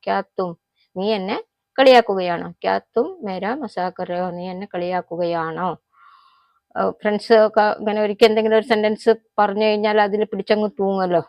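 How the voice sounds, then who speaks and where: A woman's voice: medium pitch, fairly even intonation, no echo, dull audio. Malayali woman teaching Hindi phrases. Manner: explains phrases slowly and repeats them, sounding out example lines. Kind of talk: casual spoken-language lesson.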